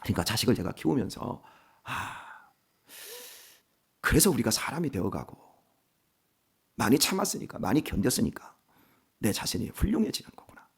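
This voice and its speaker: A man's voice: medium pitch, moderate pace, vocal fry, pauses often, slightly rough. A man in his fifties giving an early-morning church sermon as pastor, talking conversationally and animatedly. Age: 50s. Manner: conversational and animated, acting out family quarrels. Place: church sanctuary.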